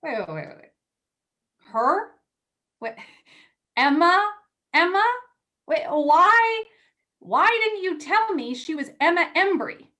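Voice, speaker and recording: A woman playing an eager, teasing young magazine editor in a staged play reading, talking in animated, halting bursts as she persuades. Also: extremely high pitch, heavily acted. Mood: incredulous, excited. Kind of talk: virtual staged play reading, naturalistic dialogue.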